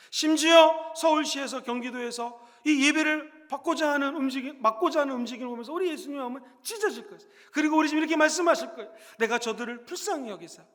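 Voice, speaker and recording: A young man with a Gyeongsang Korean accent, preaching a sermon as pastor, emphatic and at times rising to loud exhortation. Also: very high-pitched, big-room sound. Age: young adult.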